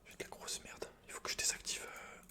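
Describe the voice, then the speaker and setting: A man's voice: a little fast, pushed and bright. A man whispering casual ASMR gaming chat as a streamer, swearing freely and repeating short slangy phrases close to the microphone. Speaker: video game streamer and ASMR host.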